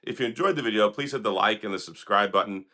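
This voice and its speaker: Hoarse, sarcastic tech vlogger man. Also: fairly low pitch, fast, bright, forceful tone. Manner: sarcastic, critical, rambling. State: hoarse, recovering from illness. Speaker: tech video host. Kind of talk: opinionated tech commentary vlog.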